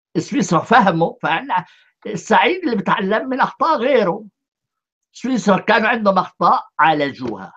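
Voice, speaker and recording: A man speaks at a high pitch with lively intonation. His pace is moderate, against a quiet background. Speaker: legal scholar; talk show guest. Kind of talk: lecture. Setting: video call. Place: home room. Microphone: earbuds.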